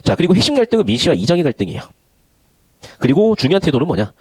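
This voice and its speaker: A man gives a Korean literature lesson at a very fast clip. His pitch swings widely and sits a little high. He slides between polite and casual speech. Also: very animated, darkish tone, breathy edge, no room sound. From Gyeongsang region of Korea. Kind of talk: online lecture.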